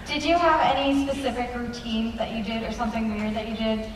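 A woman fan asking a question at a convention Q&A in a careful, deliberate way. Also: fairly high pitch. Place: large convention hall. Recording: echoey hall from far off with noise.

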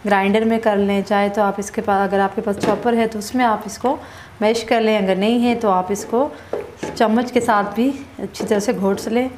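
A woman at her home stove talks viewers through a recipe in a calm, instructive voice at an ordinary pitch. A faint hiss of frying and kitchen noise sits under her voice. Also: moderate pace. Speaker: cooking vlogger. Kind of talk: step-by-step cooking narration.

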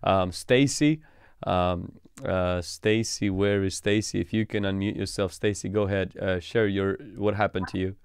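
A man's voice: low-pitched, fairly even intonation, moderate pace, clean tone, dry recording. A man in his thirties, a pastor hosting a call-in livestream, encouraging callers with short affirmations into a studio mic. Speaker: pastor hosting a live stream. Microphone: studio mic on a boom arm.

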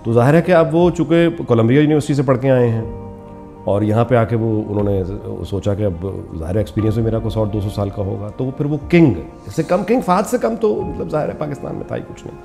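Male interviewer, gravelly and warm-toned, wry and affirming. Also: medium pitch, animated, a little fast, soft background music. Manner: reacts often with short affirmations, joking.

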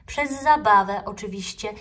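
Brief: cheerful female okapi teacher, chirpy and emphatic, voiced by a woman storyteller, higher than her narration. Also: moderate pace, distant mic, slight background noise, natural voice. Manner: chirpy, sing-song, loud.

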